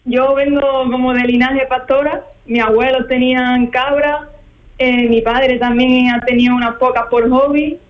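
A woman's voice: high voice, steady tone, moderate pace. A woman in her twenties on a phone call, talking over speakerphone and giving plain, matter-of-fact answers. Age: 20s. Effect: on speakerphone over a phone line. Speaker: caller. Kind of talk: phone interview from her workplace. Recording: distant, dull phone line.

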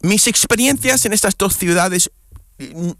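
Foreign-accented man, halting speech. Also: high voice, lively intonation, a bit bright, no room sound, studio quality. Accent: foreign, non-native Spanish. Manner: searches for words, many restarts. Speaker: guest, columnist. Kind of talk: casual interview chat.

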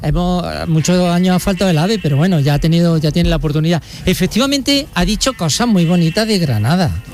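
A man's voice: sits high, animated, quick pace, a little mellow, faint music behind. A man giving a live regional report, joking and rambling with fillers. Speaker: regional correspondent.

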